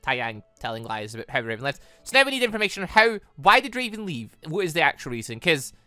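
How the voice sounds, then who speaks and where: Male gaming host, lively swooping pitch, chatty rambling asides, dry close sound with faint music behind. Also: fast talker, no echo. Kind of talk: let's play commentary with read-aloud dialogue.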